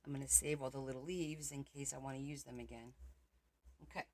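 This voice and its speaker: Hosting a crafting livestream, a Portuguese woman muses aloud while she works and replies to viewer comments in casual chat. Her voice is rumbling and low, held at a steady tone and a brisk pace, with heavy noise in the background.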